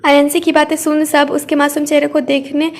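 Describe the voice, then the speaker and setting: Woman narrator for an audio story: high, level, unhurried reading. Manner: steady reading with small slips and restarts.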